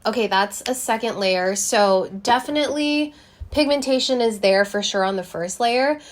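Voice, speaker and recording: A woman's voice: a little high, moderate pace. A young woman talks casually to her viewers while trying on lipstick, explaining each step as she goes. Her voice is a little congested from a recent cold. She is recorded close to the camera in a small room. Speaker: beauty vlogger. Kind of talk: casual product review.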